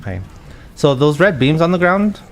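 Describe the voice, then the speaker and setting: Soft-spoken young man streaming a game. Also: on the high side, normal speed. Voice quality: soft, gentle voice. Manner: soft-spoken, relaxed, reads chat aloud, thinks out loud with restarts. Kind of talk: casual live-stream chat while gaming.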